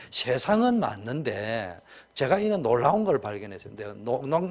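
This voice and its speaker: Animated Gyeongsang-accented male pastor preaching. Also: on the high side. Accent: Gyeongsang Korean. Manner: colloquial, emphatic preaching with rhetorical questions. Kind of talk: sermon.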